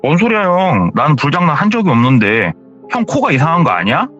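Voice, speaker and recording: A small boy's voice, high and swooping as he pleads and protests in a spoken horror story, put on by a male storyteller. The sound is a bit muffled with soft music underneath. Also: sing-song, a little fast. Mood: protesting. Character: young schoolboy, innocent and protesting. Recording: slightly muffled with faint music.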